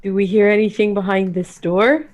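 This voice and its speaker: A young woman plays in a tabletop game from home. She talks casually in a medium-pitched voice, reasoning out her moves as she goes. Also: steady tone, normal speed, darkish tone, lo-fi sound. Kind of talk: casual chat. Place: indoor room at home, on a video call.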